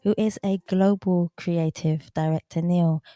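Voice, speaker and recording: A woman's voice: fairly low pitch, fairly even intonation, a little slow, warm tone, dry recording, clean studio sound. A woman hosting a podcast interview, earnest and effusive as she asks her guest questions. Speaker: podcast host.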